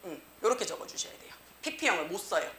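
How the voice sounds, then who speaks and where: A woman's voice: lowish voice, quick pace. A woman teaching an English grammar class, checking in with the students after nearly every phrase. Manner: tag question after nearly every phrase, lively reading. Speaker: English teacher at a cram school. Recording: echoey room.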